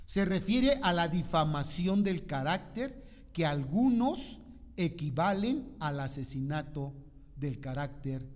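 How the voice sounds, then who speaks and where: A man with a high, bright preaching voice delivers a slow, deliberate sermon. He reads scripture with dramatic swells and keeps tossing quick questions to his listeners. The sound rings with a long church-hall reverb. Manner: rhetorical questions to the congregation, dramatic scripture reading. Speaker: pastor.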